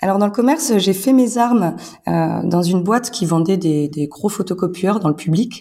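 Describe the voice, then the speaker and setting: A woman speaks with a dark, mellow tone and lively intonation. Her loudness stays very even at a moderate pace. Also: medium pitch for a woman. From Alsace, France. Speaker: entrepreneur running a game venue. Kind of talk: interview conversation. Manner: halting, many repetitions and fillers.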